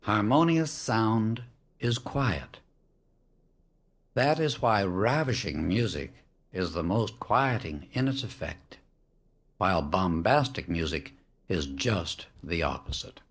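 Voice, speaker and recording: Low-pitched man narrating solemnly. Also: lively intonation, slow, slightly rough. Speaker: audiobook narrator. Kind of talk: scripted spiritual audiobook narration.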